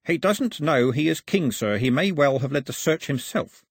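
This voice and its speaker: A man voicing a mild, polite gentleman aide who speaks deferentially and with measured hesitation in an audiobook. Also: on the high side, lively intonation, slightly rough, no echo, clean studio sound, pitched above the performer's own voice. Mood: sympathetic, respectful.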